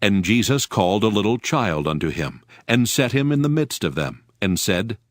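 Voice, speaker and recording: Low, dry-sounding male Bible narrator. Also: big pitch swings, moderate pace, dry recording. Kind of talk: dramatized scripture narration.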